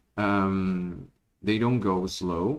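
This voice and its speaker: A man with a Spanish accent speaks in a very deep, low voice. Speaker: 3D modeling tutorial creator. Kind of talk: live stream Q&A. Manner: halting, many fillers and repetitions.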